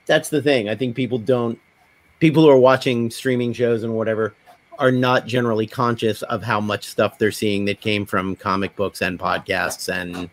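A man's voice: on the low side, steady tone, moderate pace. A man hosting a podcast, chatting casually and wandering off into anecdotes. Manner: digressive, anecdote-telling. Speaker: podcast host. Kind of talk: casual conversational chat.

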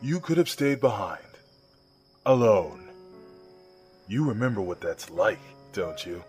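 A man's voice: on the low side, sing-song, takes it slowly, darkish tone. An actor playing a domineering male pack leader who issues threats in a commanding way in an audio drama. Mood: menacing. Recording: music bed under voice.

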